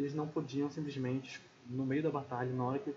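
Somewhat breathy and of medium pitch, a man speaks at a fairly quick pace with fairly even intonation amid audible room echo. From Brazil, Rio de Janeiro. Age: 20s. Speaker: blogger. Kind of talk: interview. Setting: at a conference event.

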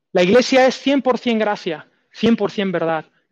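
A man with a Spanish accent talks at a high pitch with ordinary pitch variation. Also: dry, close sound with no echo. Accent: Peninsular Spanish. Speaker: preacher. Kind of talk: sermon. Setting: summer cinema, live audience. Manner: warm, exhortative, conversational; animated, humorous asides to audience.

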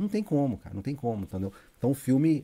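This man talks at a very fast pace. His tone is dark and mellow. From Brazil, Porto Alegre (Rio Grande do Sul). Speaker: photographer. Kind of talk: casual chat.

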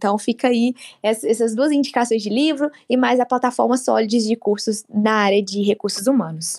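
A high-pitched woman talks at a fairly quick pace. The recording is very clean, with a silent background and a dry, close sound with no echo. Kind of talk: casual interview.

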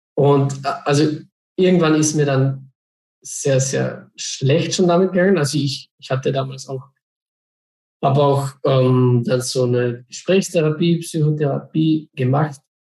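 A man's somewhat breathy voice, dark and mellow in tone, fairly high-pitched, at a fairly slow pace with fairly even intonation. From southern Austria, near Klagenfurt (Carinthia). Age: 30s. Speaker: former coaching client. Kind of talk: casual interview. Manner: halting, many fillers and repetitions.

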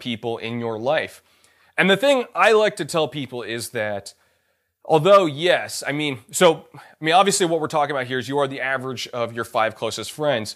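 Over a silent background in a very clean recording, a man talks at a moderate pace in a plain, everyday voice. His pitch is fairly high with ordinary pitch variation. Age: 30s. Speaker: fitness podcast host and coach. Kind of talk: solo podcast monologue. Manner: casual, filler-heavy.

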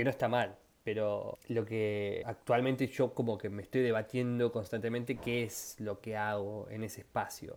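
A man with an Argentine accent speaks at a moderate pace with hardly any pauses. His medium pitch stays in monotone, flat intonation. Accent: Rioplatense Argentine Spanish. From Argentina. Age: 30s. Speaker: street artist. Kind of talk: casual interview.

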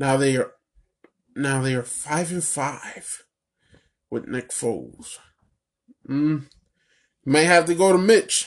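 Against a quiet background, a man speaks very slowly at a fairly high pitch with ordinary pitch variation and long, frequent pauses. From Puerto Rican background. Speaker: sports podcaster. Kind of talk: casual sports talk. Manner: hesitant, many fillers.

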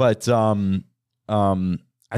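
A very clean recording with a silent background and a dry, close sound free of echo. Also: man. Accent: Chicago. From Chicago, US Midwest. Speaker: podcast co-host. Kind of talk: casual banter.

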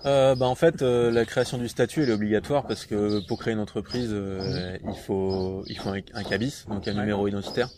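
Fairly low male voice at a moderate pace, with hardly any pauses, ordinary pitch variation and noticeable background noise. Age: 20s. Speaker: landscape gardener, business founder. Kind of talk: interview.

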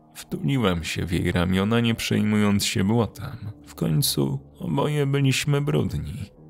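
Noticeable background noise accompanies a man with a fairly low pitch. He speaks at a fairly slow pace with very wide pitch swings. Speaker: narrator reading a horror story. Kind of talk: ghost story telling, first-person creepypasta narration; scripted narration of a translated story. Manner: hushed, tense, slow-building; eerie and tender.

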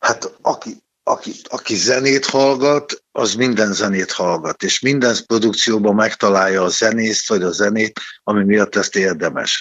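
Using an unremarkable speaking voice, a man with a fairly low pitch talks at a fairly slow pace, with very even loudness and ordinary pitch variation. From Budapest, Hungary. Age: 60s. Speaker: rock musician. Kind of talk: casual interview. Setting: phone call.

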